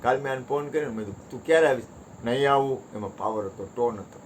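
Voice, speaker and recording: A man's voice: medium pitch, racing, slight background noise. A man giving a devotional satsang talk in a folksy, conversational way, joking with his listeners. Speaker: satsang speaker.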